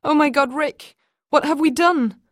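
A woman reading as a shrill, exasperated mother. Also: animated, a little slow, dry recording, studio quality. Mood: frantic. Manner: shrill and frantic when arguing. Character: exasperated young mother, sharp-tongued.

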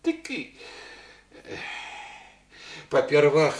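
Old village dad rambling slow in rustic talk, pitch jumping all over, roomy old radio play sound. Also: male voice, exaggerated voice. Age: older. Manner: halting rustic village speech, full of fillers. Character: elderly widowed village father, humble and rambling. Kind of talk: archival Soviet radio play acting.

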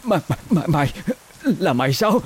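A man voicing a sharp-tongued older mother in a horror story, wailing and frantic. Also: lively intonation, unhurried, noisy background. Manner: wailing, shrill.

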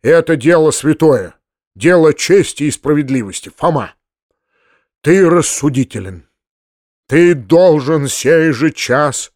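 A man's voice: a little high, no echo, clean studio sound. A man reading a flustered, kindly uncle who pleads earnestly and stumbles over his words. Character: flustered, kindly middle-aged landowner uncle.

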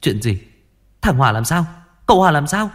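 A man's voice: medium pitch, big pitch swings, normal speed, a little mellow. A man voicing a proud mother of a landed household who turns frantic and cries out for her son. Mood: alarmed. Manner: curt, then cries out in panic.

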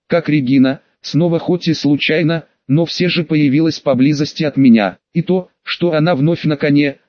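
A man's voice: on the high side, no echo. Man narrating an audiobook in a dry studio. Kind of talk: first-person audiobook narration. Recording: dry, slightly muffled studio read.

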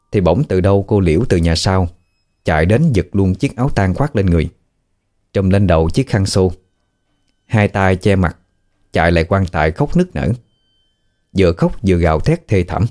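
A man with a Southern Vietnamese accent narrating a ghost story in a steady, measured way. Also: deep voice. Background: faint background music.

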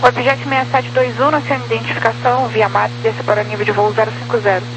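A woman working as an air traffic controller, giving brisk phraseology over a crackly aviation radio. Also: a little high, little pitch movement. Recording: crackly radio with hum and noise.

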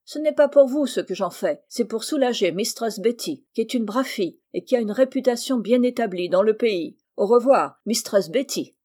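A woman reading the part of a rough, jolly carter with loud, rustic country speech. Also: fairly high pitch, animated, normal speed, hardly any pauses. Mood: blustering.

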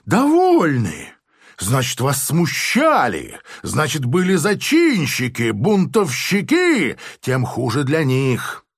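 A man voicing a shrieking, enraged prison major who barks short, drawn-out commands in a squealing voice. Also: huge pitch swings, slightly rough, no echo, studio quality, exaggerated voice. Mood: yelling, accusing. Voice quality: shrill, squealing shouts.

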